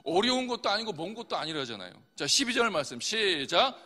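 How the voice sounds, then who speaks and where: A man's voice: high voice, big pitch swings, fairly quick, bright, forceful tone. A male pastor preaching a sermon, asking the congregation questions and answering them himself. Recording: long hall reverb.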